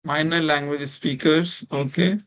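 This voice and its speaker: A man's voice: on the high side, little pitch movement, a little slow, a bit bright, dull audio. A man from India with an Indian accent, speaking English as a second language, giving an informal, encouraging interactive online lecture and often checking in with "right?". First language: a minority language of India. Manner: informal, encouraging, repeats "right?" and "you know". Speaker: lecturer, speech technology researcher.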